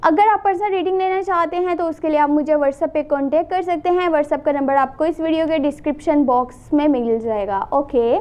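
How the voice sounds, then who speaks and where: A woman from Pakistan, slightly hoarse from a sore throat, gives a casual tarot reading. She talks straight to the viewer, repeating and listing phrases and mixing in English. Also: sits high, a little fast, few pauses, darkish tone, dull audio. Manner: addresses the viewer directly, repeats and lists phrases, mixes in English. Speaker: tarot reader.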